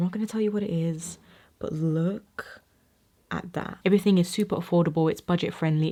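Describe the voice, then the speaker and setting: A woman speaks with a British accent. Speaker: beauty youtuber. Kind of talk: tutorial. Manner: animated.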